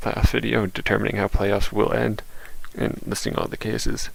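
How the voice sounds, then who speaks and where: A quiet man speaks over noticeable background noise. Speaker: online gaming league commentator. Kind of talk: slideshow commentary on playoff scenarios. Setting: home recording late at night. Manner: quiet, held down because it is late at night; hesitant, many fillers.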